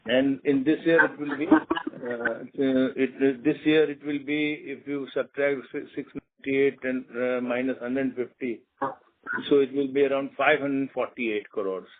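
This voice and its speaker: A man's voice: mid-range voice, steady tone, unhurried. A man, a company executive answering analysts on an earnings call, hesitating often with fillers and restarts. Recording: tinny phone line.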